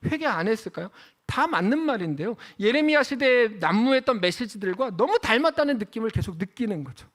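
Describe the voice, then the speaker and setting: A pastor delivering a fervent sermon, voice sitting in a middle register but leaping up and down with great animation. Questions are thrown at the congregation, sometimes pressed out loudly, sometimes dropped to a hushed low tone. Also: sing-song, brisk, few pauses. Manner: impassioned, swings between loud emphatic questions and hushed low-voiced stretches. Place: church service.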